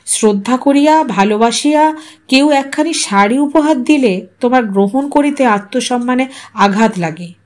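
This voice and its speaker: A woman reading a literary short story aloud as a storyteller, in an expressive, dramatic manner. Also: sits high. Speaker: audiobook storyteller.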